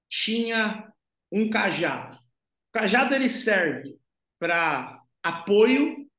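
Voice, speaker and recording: A man's voice: high voice, fairly bright tone, echoey room. A man giving a conversational devotional Bible lesson, explaining step by step and speaking directly to his listener. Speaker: devotional teacher. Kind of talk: informal Bible teaching.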